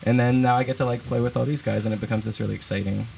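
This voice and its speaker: A young man from Vermont chats about his band in a loose, rambling way. He keeps breaking into small laughs and restarting his sentences. His pitch sits in the middle of the range for a man. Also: fairly even intonation, very fast, gravelly, a little mellow, a little hiss or hum. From Vermont, USA. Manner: chatty and laughing, with many fillers and restarts. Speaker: band leader and guitarist. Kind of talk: casual interview chat.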